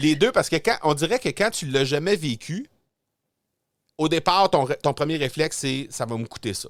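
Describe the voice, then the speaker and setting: Speaking at a moderate pace with long, frequent pauses, a man with a fairly high pitch uses lively intonation and an animated tone on a very clean recording with a silent background. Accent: Quebec. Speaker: podcast coach and entrepreneur. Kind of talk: interview conversation. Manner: animated, hesitant with repetitions.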